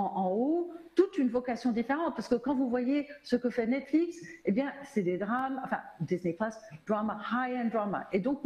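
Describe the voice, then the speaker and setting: A woman's voice: fairly high pitch, dark tone, roomy sound, low-quality recording. An American-born woman, a media analyst on a panel, talking emphatically with many restarts and words mixed in. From United States. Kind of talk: panel discussion. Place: auditorium stage.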